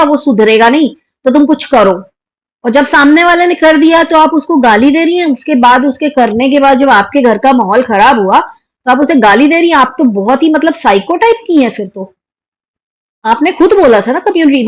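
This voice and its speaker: A woman's voice: high-pitched, low-quality recording. A woman with an Indian accent hosting a reaction video, giving heated, scolding commentary on online drama. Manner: indignant, scolding, mocking quotes.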